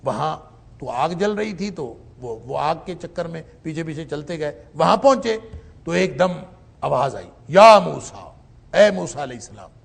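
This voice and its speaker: Male lecturer, gravelly and a bit high, recites verses slowly, then explains with force. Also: very animated. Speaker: professor teaching Quran commentary. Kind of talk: Quran exegesis lecture.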